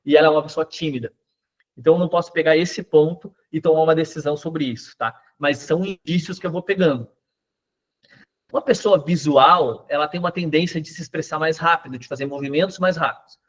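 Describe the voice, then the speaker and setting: A man teaching a class on body language, explaining step by step with lists of examples and quick checks with his listeners. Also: on the high side, dull audio. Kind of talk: recorded class lecture.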